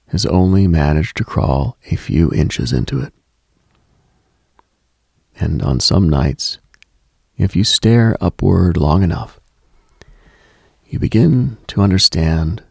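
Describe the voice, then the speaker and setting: Male late-night radio host, husky and slow, solemn dramatic monologue with expressive swings in pitch, very dry close sound. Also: dry recording.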